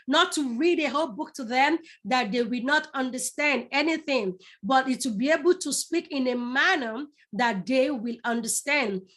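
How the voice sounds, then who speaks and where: A woman's voice: high voice, a bit bright. A middle-aged woman with a Yoruba Nigerian accent, teaching public speaking in a live class, addressing the listeners directly and repeating words for emphasis. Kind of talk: live online masterclass.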